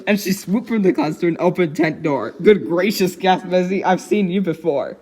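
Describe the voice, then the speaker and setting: A man voicing a cheerful young girl who reads a storybook aloud in an expressive, giggly way. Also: sits high, moderate pace. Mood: animated storytelling. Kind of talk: dramatic storybook reading with giggly asides.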